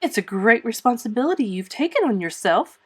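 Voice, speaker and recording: A woman's voice: a little high, sing-song, fairly quick, slightly rough, voice pushed up. A woman voicing a blunt, disapproving older busybody neighbour in a storybook, emphatic and bossy. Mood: gloomy.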